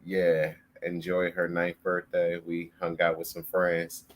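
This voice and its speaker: A man's voice: deep voice, completely flat delivery, slow pace, a little hiss or hum. A man co-hosting a podcast in casual chat, laid-back and teasing. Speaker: podcast co-host.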